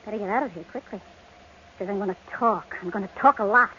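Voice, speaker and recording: An actress playing a high-strung, drunken jilted young woman in an old-time radio drama, taunting and melodramatic. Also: quick pace, pushed and bright, lightly acted. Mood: bitter, taunting. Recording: tinny, noisy old radio recording.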